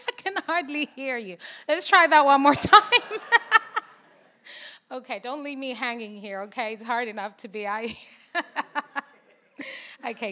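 A woman's voice: high voice, sharp tone. A young woman from Zambia, whose first language is not English, preaching a sermon at a conference with chatty, laughing banter with the audience. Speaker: conference speaker. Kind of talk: sermon with casual asides. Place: large conference hall.

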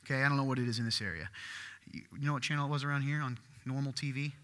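A man preaching a sermon as pastor, with a deeper voice, talking conversationally and asking his congregation questions. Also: very fast. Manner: excitable, conversational, asks the crowd questions. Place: church hall with congregation. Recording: long hall reverb.

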